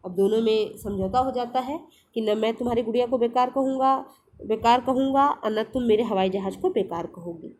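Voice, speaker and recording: Patient female teacher, high-ish voice. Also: moderate pace, a little mellow. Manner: patient, repeats and explains each line. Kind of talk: explaining a textbook lesson.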